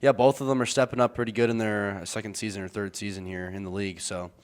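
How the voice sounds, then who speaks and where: A man's voice: lowish voice, steady tone, quick pace. A young man co-hosting a college sports podcast, playful and joking. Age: young adult. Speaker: co-host.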